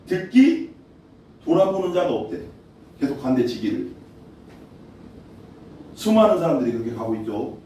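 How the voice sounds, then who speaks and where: A man's voice: fairly high pitch, mellow, a little hiss or hum. A man preaching a sermon as pastor, talking conversationally and putting questions to his congregation. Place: church hall. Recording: echoey hall, voice from far off.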